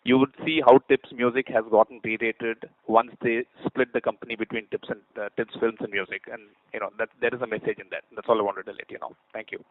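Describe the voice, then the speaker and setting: A man calling in as an analyst, informally making points with repeated, halting starts. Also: medium pitch, flat delivery, no echo. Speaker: analyst caller. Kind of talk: informal questioning on an earnings call. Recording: dry, narrow phone line.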